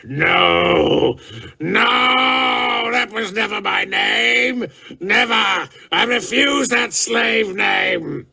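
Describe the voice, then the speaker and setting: A man voicing a brutal, unhinged male warlord who roars and rants, then drops to rasping hisses. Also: low voice, steady tone, slow pace, few pauses, pitched below the performer's own voice, exaggerated voice. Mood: raging. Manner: roaring, ranting shouts between rasping hisses.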